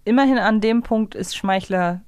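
A woman's voice: mid-range voice, normal speed, a little mellow, clean tone, no room sound. Reflective woman podcaster, dry close sound. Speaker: podcast co-host. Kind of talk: casual fan discussion of an audio drama.

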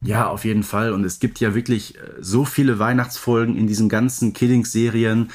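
A man's voice: fairly low pitch, fairly even intonation, fairly quick, a little mellow. A man, chatting casually as a fan podcast co-host.

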